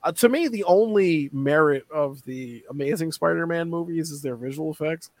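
A man co-hosting a casual film discussion, opinionated and energetic in his arguments. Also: on the high side, moderate pace, very noisy. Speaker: podcast co-host.

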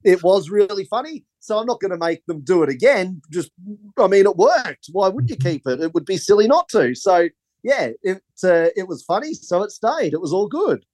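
A man's voice: sits high, big pitch swings, moderate pace, darkish tone, dry recording. A man, a film director, rambling through anecdotes in a casual interview and laughing often.

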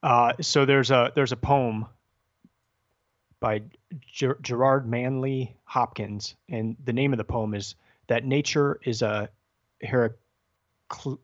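A man of middle pitch hosts a podcast chat, hesitant and self-correcting as he talks things through. His recording sounds dull and lo-fi. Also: steady tone, slow pace, long pauses. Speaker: podcast host. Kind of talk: casual discussion.

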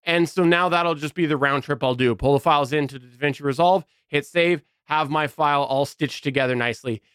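Man, podcast co-host, smooth clear voice, slightly high, dry close mic. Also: brisk, no echo. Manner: relaxed, laughs often. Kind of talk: casual tech chat.

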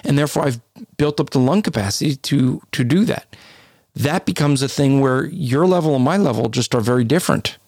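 A man with a deep, booming voice co-hosting a podcast, explaining things in a casual, conversational way. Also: expressive, a little fast, a little mellow, no echo, clean studio sound. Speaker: podcast co-host.

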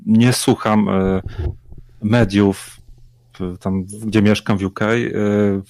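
A man's voice: on the low side, little pitch movement, takes it slowly, a little mellow. A man co-hosting a radio chat who talks bluntly and sounds irritated. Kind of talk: casual chat. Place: lives in the UK.

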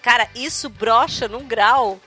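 A woman's voice: a little high, a little slow, bright, forceful tone, soft background music. A woman with a gaúcho Brazilian accent, joining a casual podcast chat from a remote call and talking bluntly and teasingly. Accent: gaúcho Brazilian Portuguese. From southern Brazil, Rio Grande do Sul. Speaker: podcast co-host. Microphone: remote call over a weak internet connection.

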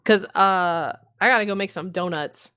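A woman co-hosting a podcast in loose, casual chat. She laughs often, swears freely and tells animated stories. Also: mid-range voice, moderate pace. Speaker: podcast co-host.

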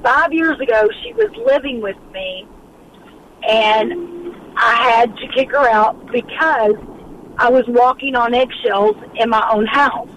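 Upset mom calling in on car speakerphone while driving, high voice, faint road hum behind, keeps interrupting. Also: female voice, measured pace, fairly bright tone, poor audio. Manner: insistent, repeats herself, cuts in. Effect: car speakerphone call while driving. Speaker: caller. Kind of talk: call-in advice radio. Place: moving car on the freeway. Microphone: phone in a car.

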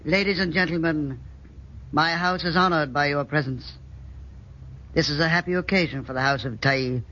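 A man's voice: fairly high pitch, normal speed, bright, forceful tone. A man playing a stammering, kindly middle-aged father in a 1940s radio drama. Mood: jovial. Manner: hesitant, stammering. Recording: dull lo-fi 1940s radio with faint noise.

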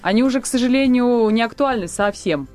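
A woman co-hosting a radio talk show, pushing back in a brisk, challenging way. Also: a little high, music in the background. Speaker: radio co-host.

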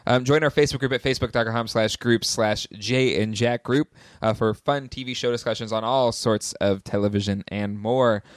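Relaxed male co-host, medium pitch, dry close sound, casual sign-off. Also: moderate pace, few pauses, no echo. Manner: easygoing, lots of fillers. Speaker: podcast co-host. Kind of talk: casual chat and show outro.

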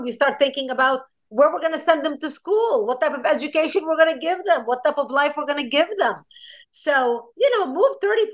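A woman from Lebanon, a radio interview guest telling her story with passion and emphasis. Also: sits high.

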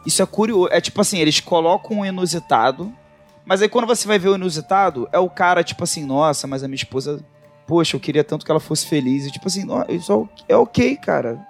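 A man with a Brazilian accent in casual, reflective podcast chat, talking informally and slangily in halting, rambling bursts. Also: fairly high pitch, animated, faint music behind. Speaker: podcast co-host.

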